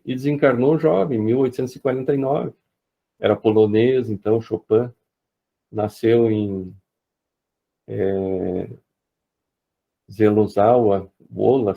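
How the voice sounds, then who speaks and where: A man leading a spiritist study group, lecturing in an unhurried, hesitant way with frequent fillers and restarts. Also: mid-range voice, mellow. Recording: dull lo-fi recording.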